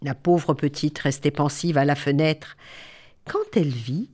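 A woman's voice: low voice, a little slow, dark tone. A woman telling a fairy tale to children, with chatty asides to her listeners. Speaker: storyteller. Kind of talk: children's storytelling.

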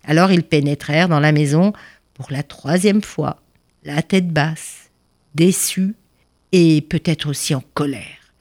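A woman reading a folk tale aloud, expressive, with hesitant fillers here and there. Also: sits low, a little slow, no room sound, clean studio sound. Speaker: storyteller.

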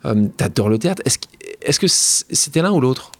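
A man's voice: mid-range voice, sing-song, a little fast, husky, dry recording. A male podcast host asking questions, prompting his guest with short cues and finishing his sentences. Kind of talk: interviewer prompting.

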